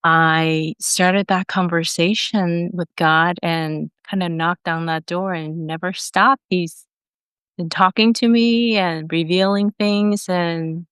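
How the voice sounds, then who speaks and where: A woman in her forties from Taiwan talks as a podcast guest, earnest and reflective. Her voice sits a little low and sounds smooth and clear. The recording is dry, with no room echo. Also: fairly even intonation, slow, a bit bright. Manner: earnest and reflective, with fillers and restarts. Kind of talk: conversational interview storytelling.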